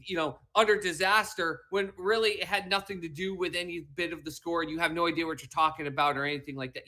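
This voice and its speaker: A man's voice: high voice, sharp tone. Emphatic man ranting about football. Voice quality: whiny, slightly mushy voice. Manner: emphatic, lecturing, repeats lines for effect. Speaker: podcast co-host. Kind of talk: animated sports talk rant.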